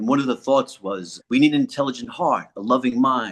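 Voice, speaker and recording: An American-accented man, or rather a man with an American accent, talks at a fairly quick pace in an unremarkable speaking voice with ordinary pitch variation against a quiet background. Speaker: performance poet, speaks in schools. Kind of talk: interview answer.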